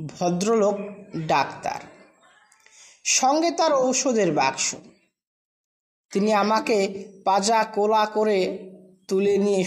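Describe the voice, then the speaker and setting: Woman reading a short story out loud, slow n dramatic, voice goes up and down a lot. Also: mid-range voice. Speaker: storyteller, narrator. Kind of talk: scripted first-person short story narration.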